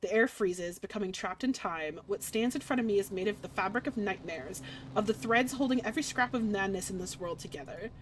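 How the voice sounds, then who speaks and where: A young woman reading a dark visual novel aloud in dramatic first person, breaking off for giggly asides. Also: medium pitch, fairly quick, slight background noise, poor audio. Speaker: streamer playing a game.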